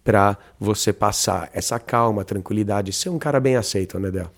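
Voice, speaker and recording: A young man with a Brazilian Portuguese accent co-hosting a casual podcast, animated and slangy, sometimes slowing into a calm low voice. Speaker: podcast co-host.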